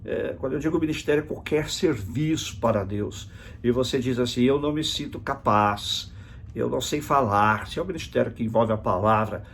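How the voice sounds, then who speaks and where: A man's voice: mid-range voice, moderate pace, a little hiss or hum. A man, teaching a virtual Bible study as a pastor, explaining a passage and reading verses aloud with emphasis.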